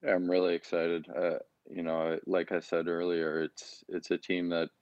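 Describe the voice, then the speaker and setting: Young male player at presser, hesitant, very low monotone, dry muffled sound. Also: moderate pace, no room sound. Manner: hesitant, many fillers and restarts. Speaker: interviewed hockey player. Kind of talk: press conference answers.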